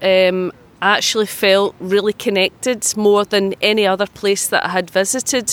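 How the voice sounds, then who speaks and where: A woman of medium pitch speaks at a moderate pace in a monotone, flat way, with a dry, close sound and no echo. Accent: Glaswegian. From Glasgow, Scotland. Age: 50s. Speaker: Glasgow native of Irish ancestry. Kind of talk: casual interview.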